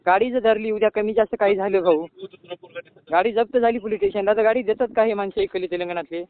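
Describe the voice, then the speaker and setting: A man's voice: high-pitched, fast talker, no echo. Pleading man on a tinny phone line. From Maharashtra. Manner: pleading, repeats "bhau" often, rambling. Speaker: caller asking for help. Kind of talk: distressed phone call. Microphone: phone call.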